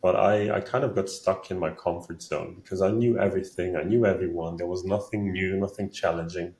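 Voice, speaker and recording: A man, a summit co-founder, talks in a relaxed, casual way in an interview. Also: low voice, brisk, reverberant.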